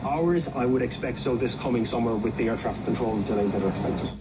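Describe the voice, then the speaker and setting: A man's voice: medium pitch, fast talker. A man, a company chief executive, giving an unscripted answer to a reporter. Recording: very noisy location interview clip.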